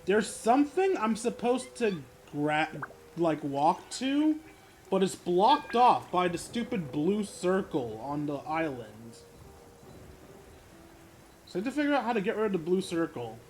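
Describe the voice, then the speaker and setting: A woman's voice: fairly low pitch, big pitch swings, measured pace, darkish tone, a little hiss or hum. A woman giving casual commentary as she streams a video game.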